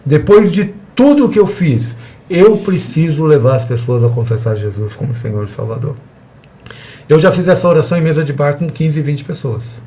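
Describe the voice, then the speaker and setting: A man's voice: fairly high pitch, lively intonation, normal speed, mellow. Man teaching a church evangelism seminar. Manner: conversational, quotes imagined dialogues with people.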